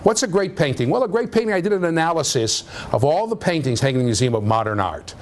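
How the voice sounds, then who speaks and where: Lively low-voiced male lecturer. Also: fast talker. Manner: conversational, checks understanding with frequent "okay?". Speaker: university lecturer. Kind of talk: classroom lecture. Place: lecture room.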